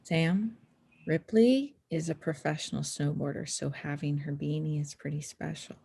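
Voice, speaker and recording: A woman playing an earnest teenage trans girl who teaches snowboarding, in a screenplay table read, with a husky, creaky voice. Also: low voice, normal speed, mellow, a little hiss or hum. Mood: gentle.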